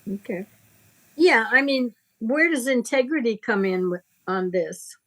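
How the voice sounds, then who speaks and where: Woman giving an emphatic, deliberate teaching talk. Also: on the high side, expressive, poor audio. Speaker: spiritual teacher.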